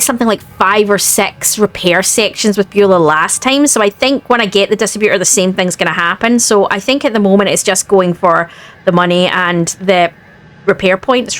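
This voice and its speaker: A Scottish woman hosting a let's play, gravelly and sniffly from illness, chatting and thinking aloud. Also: medium pitch. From Scotland. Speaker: gaming host.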